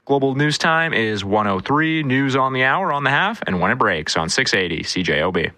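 A man reading scripted radio news and weather in a brisk, even delivery. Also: medium pitch. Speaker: radio newsreader.

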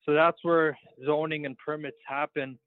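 A man's voice: a little high, little pitch movement, moderate pace, no room sound. Teenage man on a tinny phone line. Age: teens. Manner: eager, rambling explanations. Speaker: engineering student guest. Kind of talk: phone-in radio interview.

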